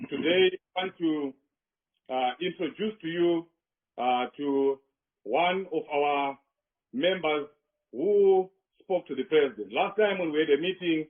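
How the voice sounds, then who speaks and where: Male meeting chair, fairly high for a man, halting delivery, thin phone-like audio. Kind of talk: informal spoken introduction at a meeting. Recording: tinny, band-limited online call audio.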